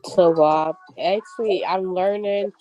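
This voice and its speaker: Hoarse student, video call, very slow, halting, mid pitch. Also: steady tone, warm tone, dry recording, lo-fi sound. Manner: halting, searches for words. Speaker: student in the class.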